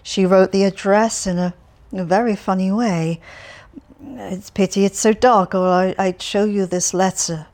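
A woman's voice: medium pitch, fairly even intonation, measured pace, a little mellow, natural voice. A woman reading an audiobook, voicing a cheerful, chatty elderly man who rambles and stumbles over his words. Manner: rambling, stumbling, relentlessly upbeat.

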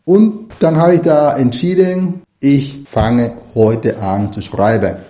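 A man's voice: mid-range voice, takes it slowly, dark tone. A middle-aged man from Nicaragua, a Spanish native speaker, answering interview questions as an author and lecturer, thoughtful and rambling with many restarts.

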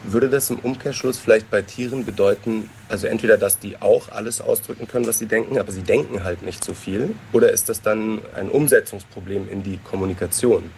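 A man asks an expert questions on the radio, slow and probing. His voice is low with a gravelly edge, and faint noise sits under the recording. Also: a little mellow. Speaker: radio interviewer. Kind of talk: radio interview.

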